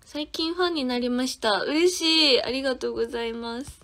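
A Kansai-accented idol singer in her twenties hosts a casual phone livestream, giggling as she goes through viewer comments one at a time. Her female voice sits high and sounds pushed and bright, at normal speed.

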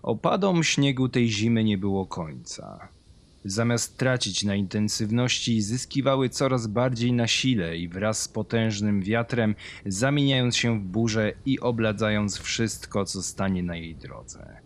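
A man's voice: lowish voice, animated, a little slow. A man giving scripted narration of a horror story.

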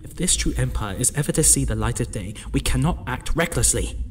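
An actor playing a cautious, defensive Imperial captain, earnest and careful, in an audio drama. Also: male voice, mid-range voice, animated, a little fast, a little hiss or hum, close to an everyday voice.

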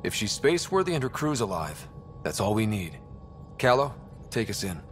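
A steady male explorer leader, low-voiced, calm and reassuring in tone. Soft music lies under the lines of this sci-fi game scene. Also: moderate pace. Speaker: expedition leader.

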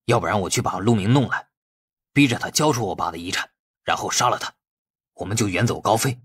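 A man's voice: lowish voice, a little fast, husky, dry recording, clean studio sound. A man voicing a naive, impulsive grown son in an audiobook, blunt and wide-eyed in manner. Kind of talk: audiobook character acting.

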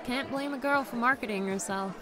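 A woman in her twenties playing a lively, teasing young influencer friend in an audio drama, with music under her voice. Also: fairly high pitch, brisk, close to an everyday voice. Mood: chatty.

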